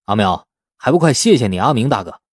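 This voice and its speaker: Grateful rural father, read by a male narrator, effusive, animated, audiobook storytelling. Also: mid-range voice, fast, no echo, clean studio sound. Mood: delighted. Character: eager, grateful village father.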